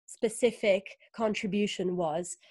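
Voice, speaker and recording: In an unhurried, slightly mellow voice of medium pitch, a guest author from northern Italy chats thoughtfully during a video-call interview, with frequent fillers and rhetorical questions. She's on a webcam in a small room indoors, and the audio is studio quality without echo.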